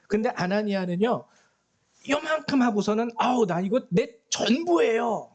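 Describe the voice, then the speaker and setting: Male pastor, high voice, emphatic sermon delivery with repeated words and acted-out quotes.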